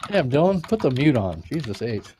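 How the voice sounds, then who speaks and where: A man's voice: medium pitch, big pitch swings, a little fast. Casual man hosting over keyboard noise. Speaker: host of a gaming livestream. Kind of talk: casual chat while playing a golf game. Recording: background noise with keyboard clicks.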